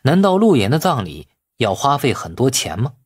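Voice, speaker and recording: Male narrator, dramatic audiobook delivery, slightly rough husky tone, very dry recording. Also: medium pitch, very animated, moderate pace, no echo. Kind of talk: dramatic scripted storytelling.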